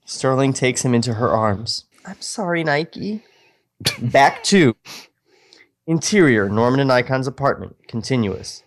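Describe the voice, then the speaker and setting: A man's voice: medium pitch, normal speed. A man reading stage directions from his own old script, dropping in mocking, casual asides. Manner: mocking, self-deprecating asides, swearing. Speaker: host reading his old screenplay aloud.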